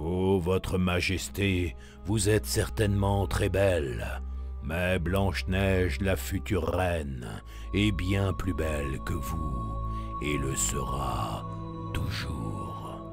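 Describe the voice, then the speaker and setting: A man speaks in a put-on character voice at a very slow pace over loud background music. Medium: read story. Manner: solemn, formal.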